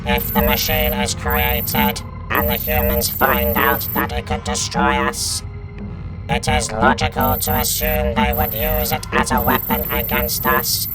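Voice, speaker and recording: A man voicing cold, emotionless cyborg invaders in a science-fiction audio drama, giving clipped, monotone orders through robotic processing. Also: mid-range voice, a little slow, creaky, long pauses, over music, rough recording. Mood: cold, commanding.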